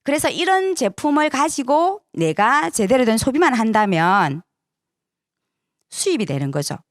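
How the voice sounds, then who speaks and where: Woman, seminar speaker, persuasive, asks for agreement often, animated pitch, dry sound. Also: measured pace, no room sound. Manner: persuasive, with frequent "그죠?" tag questions. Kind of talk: presentation to an audience.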